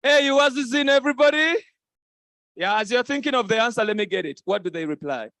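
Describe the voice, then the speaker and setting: Playful high-voiced male event host. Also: lively intonation, fast talker, fairly bright tone, no echo, studio quality. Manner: playful, repeats phrases to the crowd, laughs often. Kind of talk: lively crowd interaction. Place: conference hall stage.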